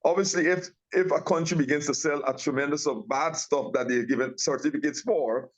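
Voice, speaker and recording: A man's voice: a little high, a little fast. A man from Guyana, a tea company owner, talking casually as an interview guest over a remote call, rambling with many restarts and fillers.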